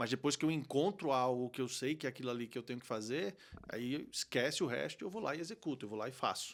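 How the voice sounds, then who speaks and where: Heard in a very clean recording with a silent background, a man speaks at medium pitch with ordinary pitch variation in an unremarkable speaking voice. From Brazil, Northeast (Maceió). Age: 40s. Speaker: entrepreneur. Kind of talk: podcast interview.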